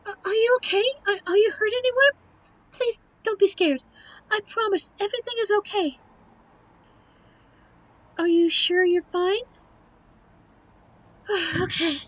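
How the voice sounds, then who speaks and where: A woman's voice: very high-pitched, unhurried, long pauses, highs cut off. A woman playing a young, devoted succubus girlfriend in an audio roleplay, earnest, emotional and protective. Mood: worried, tender. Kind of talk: audio roleplay drama acting.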